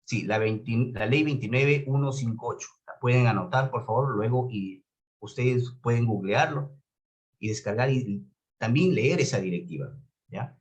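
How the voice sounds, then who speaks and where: A man's voice: medium pitch, normal speed, dull audio. A man with a Peruvian Spanish accent teaching a class in a didactic way, stressing key words and checking that students follow. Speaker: course instructor. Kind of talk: online lecture on public administration.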